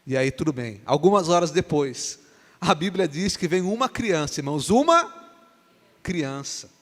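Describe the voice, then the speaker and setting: A man from Brazil, a pastor, preaching an animated sermon in a church and acting out the dialogue of the story. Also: a little high, a little slow. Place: church sanctuary. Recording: long church reverb.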